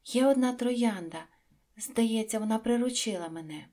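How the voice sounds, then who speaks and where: Woman voicing the Little Prince, high and childlike. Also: normal speed, warm tone, natural voice. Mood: earnest. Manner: high, earnest, wondering childlike voice. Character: small gentle boy prince, lonely and curious. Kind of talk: audiobook reading.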